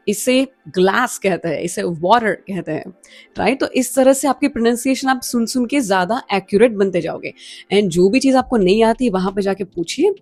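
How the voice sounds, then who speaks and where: A young woman with a mid-pitched voice hosts a lesson and explains things patiently, repeating her key points. Faint music plays behind her. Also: darkish tone. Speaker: English teacher, channel host. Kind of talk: Hinglish video lesson.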